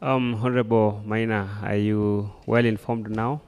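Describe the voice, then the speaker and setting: A man's voice: on the low side, level tone, unhurried, darkish tone, smooth. A man with a Kenyan accent presiding as Speaker over a debate in a formal, hesitant manner. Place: large assembly chamber. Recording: echoey hall with long reverb.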